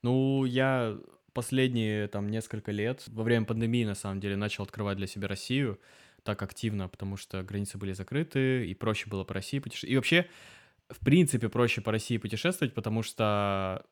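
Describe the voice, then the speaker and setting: A man hosts an informal interview in a fairly low voice. He asks long, curious questions, pausing on drawn-out hesitation sounds as he shapes them. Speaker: host. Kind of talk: conversational interview.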